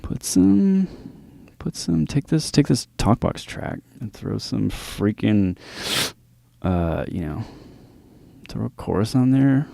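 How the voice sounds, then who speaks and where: A man giving a casual software tutorial as host, speaking colloquially in a laid-back way into a close mic. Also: on the low side, expressive, slow, vocal fry, no echo. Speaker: music production tutorial host.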